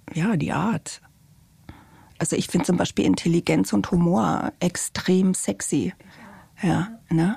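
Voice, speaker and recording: A woman talks at a very slow pace. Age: 50s. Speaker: escort. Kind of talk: casual chat.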